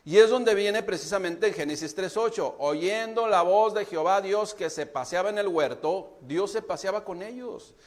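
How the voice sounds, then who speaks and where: A man's voice: high voice, moderate pace, few pauses. A man with a Mexican Spanish accent preaching a sermon as pastor, speaking straight to the congregation. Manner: preaching, addresses the congregation directly.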